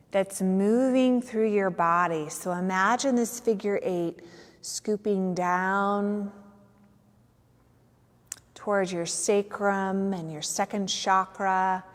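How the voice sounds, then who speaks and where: A woman guiding a meditation as a yoga nidra teacher, soothing and unhurried, with long pauses between phrases. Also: medium pitch. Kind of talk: guided meditation. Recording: long reverberant hall-like echo.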